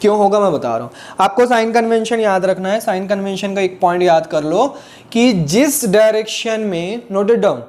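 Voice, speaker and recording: A man teaches a physics lesson in Hindi mixed with English at a normal pace, his voice sitting high with a slightly mellow tone. He explains things step by step, repeats key phrases, and frequently asks the class whether they're following along.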